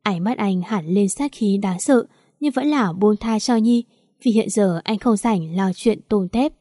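A woman narrating a dramatic story in a steady, scripted storytelling manner. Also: mid-range voice, a little slow, no echo, clean studio sound.

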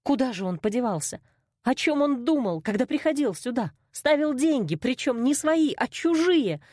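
A woman's voice: high voice, lively intonation, moderate pace, a little mellow, no echo. A woman reading a first-person novel aloud with emotional expression. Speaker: audiobook narrator. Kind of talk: first-person audiobook narration.

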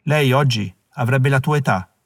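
A male narrator voicing a calm, grave Native American man who speaks quietly and steadily. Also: medium pitch, normal speed, no room sound, studio quality, natural voice.

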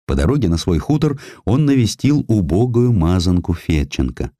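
Deep-voiced man narrating history with lively expression. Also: dry recording, studio quality. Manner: expressive, emphatic storytelling with deliberate pauses. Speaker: audiobook narrator. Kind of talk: dramatic scripted narration of a historical sketch.

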